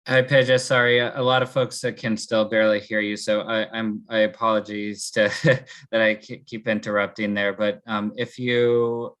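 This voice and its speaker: Low, level-voiced male moderator. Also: little pitch movement, moderate pace, hardly any pauses, fairly bright tone. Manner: brief, polite, apologetic interjections. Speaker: webinar moderator. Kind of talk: moderating an online session.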